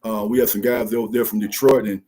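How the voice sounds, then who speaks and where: A man's voice: fairly low pitch, little pitch movement, fast talker, dark tone. A man from Mississippi with a Southern Black American accent, telling stories casually in a folksy, emphatic way, punctuating his phrases with "man.". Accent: Southern Black American, country Mississippi drawl. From Mississippi, USA. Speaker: guest, former college football player. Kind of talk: casual storytelling in an interview.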